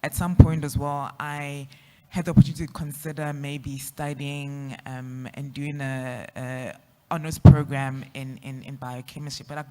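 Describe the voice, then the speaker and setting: A woman with a South African accent, an outgoing panelist sharing her career journey with quick laughs. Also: a bass voice. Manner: extroverted, lively, quick to laugh. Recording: echoey hall.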